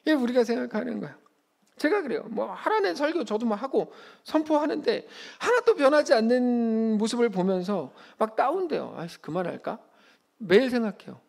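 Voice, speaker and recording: Animated gravelly-voiced male pastor preaching. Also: very high voice, moderate pace. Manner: animated, conversational preaching with acted-out quotes. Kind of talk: sermon.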